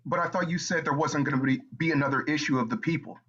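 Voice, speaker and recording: A man's voice: a little high, fast talker, fairly bright tone, husky. A man playing a plain-spoken office worker in a play reading over a video call. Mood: matter-of-fact. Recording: dull video call audio.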